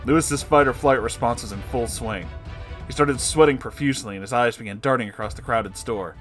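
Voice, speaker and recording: A man's voice: mid-range voice, fairly quick, a bit bright. Male storyteller with dramatic comic delivery, music behind. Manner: amused, breaking into laughing asides. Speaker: narrator, story reader. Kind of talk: dramatic comedic story narration.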